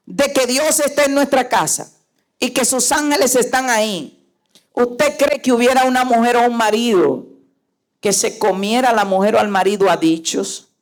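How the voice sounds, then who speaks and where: A woman pastor preaching a sermon, emphatic and full of rhetorical questions to her listeners. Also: fairly high pitch.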